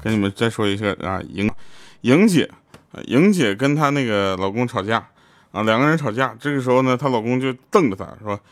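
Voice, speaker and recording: A playful man tells comic workplace anecdotes in a relaxed, chatty way, often leaping up in pitch when he quotes his coworkers. His voice sits at a middle height. The sound is dry and close, with no room around it. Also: a little fast, no echo. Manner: playful, animated, jumps into high voices for quoted people. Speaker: host telling funny workplace stories. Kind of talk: casual comic storytelling.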